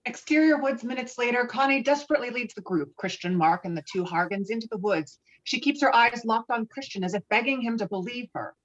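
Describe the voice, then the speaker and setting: A woman's voice: a little high, animated, brisk, hardly any pauses. A woman reading out stage directions as scripted screenplay narration. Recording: dull, muffled remote-call audio.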